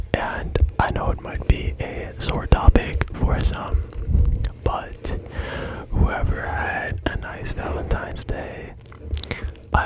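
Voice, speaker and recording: A whisper at a very slow pace, noticeable background noise behind it. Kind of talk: ASMR, soft spoken and clicky whispers. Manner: soft-spoken.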